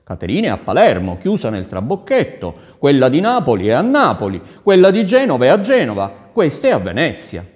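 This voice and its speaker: A naive young prince speaks in a courtly, earnest and slightly pompous way, as a man plays him. His voice sits a touch above a low baritone and swings widely in pitch. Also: huge pitch swings, fairly quick, hardly any pauses, a little mellow, big-room sound. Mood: bewildered. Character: young king's son, smitten and naive.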